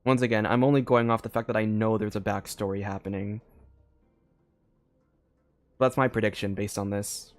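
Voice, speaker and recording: A man's voice: on the low side, steady tone, moderate pace, long pauses, soft background music. A young man giving casual live commentary on a game, rambling and thinking aloud with lots of fillers. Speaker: game streamer.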